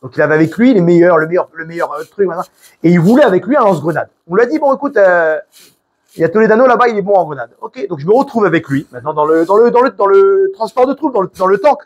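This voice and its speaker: This preacher is a man from France whose French-accented voice sits high, moving quickly and expressively. His informal sermon is packed with stories, false starts and Hebrew religious vocabulary.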